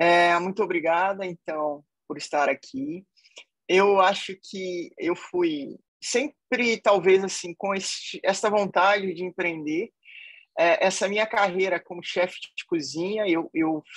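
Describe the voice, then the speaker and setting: At a very slow pace, a woman speaks with medium pitch and ordinary pitch movement. The sound is dry and close, without echo. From Brazil, interior of São Paulo state (São José do Rio Preto). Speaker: chef and entrepreneur. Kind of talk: panel talk.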